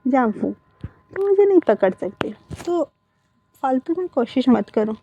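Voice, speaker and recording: A woman's voice: high-pitched, big pitch swings, a little slow, warm tone, muffled recording, slight background noise, exaggerated voice. A woman voicing a playful, teasing young man in a storybook romance, protesting in a whiny, giggly way.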